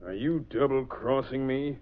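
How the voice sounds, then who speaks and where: An actor playing a greedy, blustering slum landlord with an indignant manner in a 1930s radio drama. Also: male voice, mid-range voice, unhurried, phone-quality sound, close to an everyday voice.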